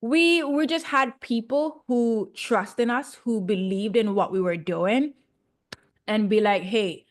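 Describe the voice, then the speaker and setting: A woman's voice: on the high side, takes it slowly. A young woman from Jamaica with a Jamaican accent, a chatty podcast guest who laughs easily. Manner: chatty, laughs often, excitable. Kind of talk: casual interview.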